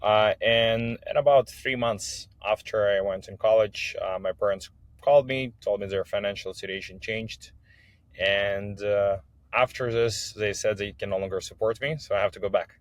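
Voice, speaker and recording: Guy from kazakhstan, english, lowish voice, telling his own story on a podcast, dry close sound. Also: fairly even intonation, normal speed, dry recording. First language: not English. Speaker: podcast guest, business owner. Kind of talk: personal storytelling in an interview.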